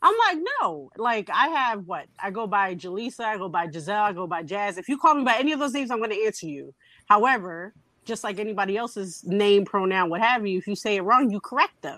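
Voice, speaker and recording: Lively intonation marks an unremarkable speaking voice going at a fairly quick pace. The background is silent and the recording very clean. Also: woman, medium pitch for a woman. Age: young. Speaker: community group member. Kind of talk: casual chat.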